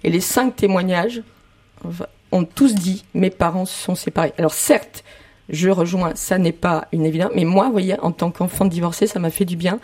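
A woman's voice: fairly low pitch, moderate pace, a little mellow. A woman in her fifties giving a personal testimony on a discussion panel, hesitant at first and then more emphatic. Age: 50s. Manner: hesitant, many fillers and restarts, grows more emphatic. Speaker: guest sharing a testimony.

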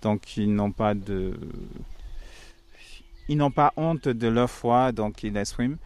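Friar in his 30s, low smooth voice, earnest, lots of little pauses. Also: darkish tone, no room sound. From Cameroon. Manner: reflective and earnest, with frequent hesitations. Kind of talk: interview answers.

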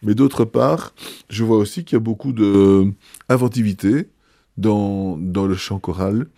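Male bishop, interviewed; mellow, low tone, hesitant and measured delivery. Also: creaky, no echo, clean studio sound. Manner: thoughtful, hesitant, frequent filler pauses. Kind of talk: interview answers.

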